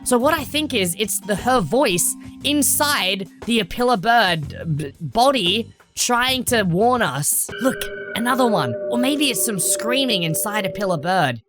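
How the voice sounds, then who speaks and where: A woman's voice: mid-range voice, animated, unhurried, few pauses. A woman hosting game lore commentary in a musing, explanatory manner. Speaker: video host. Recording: music under the voice.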